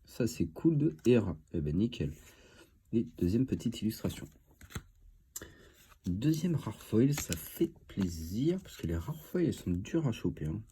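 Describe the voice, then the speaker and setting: He's on the low side, sing-song and unhurried, with a dark, husky tone. A cold leaves this card-opening host stuffy as he chats casually over his booster packs, thinking aloud and leaning on fillers.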